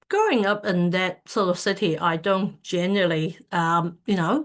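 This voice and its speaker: Hesitant woman giving an online talk. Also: mid-range voice. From Hong Kong. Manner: hesitant, many fillers and restarts. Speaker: speaker at an online community event. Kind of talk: casual presentation talk.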